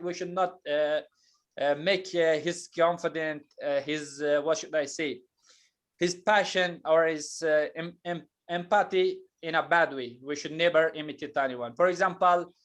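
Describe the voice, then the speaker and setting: Patient teacher explaining slowly. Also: male voice, fairly high pitch, a bit bright. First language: not Turkish. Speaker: English teacher. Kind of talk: online English lesson.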